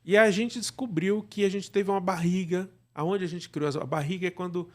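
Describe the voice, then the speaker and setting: A man's voice: sits high, fairly even intonation, a little fast. A man with a Brazilian Portuguese accent, an interview guest chatting casually and giving advice in a colloquial, wandering way. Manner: colloquial, digressive, often seeking agreement with tags. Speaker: interview guest, radio drama creator.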